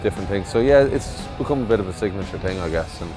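A man's voice: on the low side, lively intonation, fast talker. A man with an Irish accent, a visiting mural artist talking casually and rambling a little in an interview. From Ireland. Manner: easygoing, rambling with fillers. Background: music bed.

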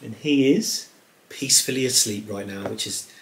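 A man's voice: on the low side, moderate pace, a bit bright, a little hiss or hum, low-quality recording. A man in his thirties with an English accent, casually chatting as co-host of a family vlog from his living room sofa, filmed by a camera a few feet away. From England. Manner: chatty, explains things with gestures, laughs lightly. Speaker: channel co-host. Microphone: fixed camera a few feet away.

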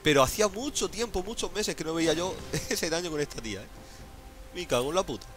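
A man giving excited gameplay commentary as a streamer, exclaiming, laughing and swearing often. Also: on the high side, a little fast, slight background noise. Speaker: gaming streamer.

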